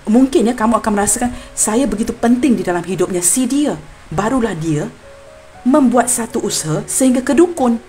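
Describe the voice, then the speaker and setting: A young woman from Malaysia with a Malaysian Malay accent, giving a general tarot reading to her viewers in an earnest, apologetic way. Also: a little high. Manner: earnest and apologetic, addresses viewers warmly as friends. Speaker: tarot reader.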